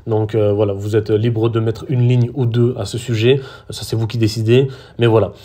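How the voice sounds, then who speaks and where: A man's voice: lowish voice, little pitch movement, normal speed, dark tone. A man from France, giving a casual social media tutorial with lots of fillers and restarts. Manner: hesitant, many fillers and restarts. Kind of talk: casual screen-recorded tutorial.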